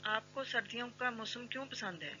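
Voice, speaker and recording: An English teacher who drills everyday phrases, repeating each one and saying the English lines very slowly and clearly. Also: medium pitch, bright, forceful tone, a little hiss or hum. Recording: slightly dull sound with faint background music.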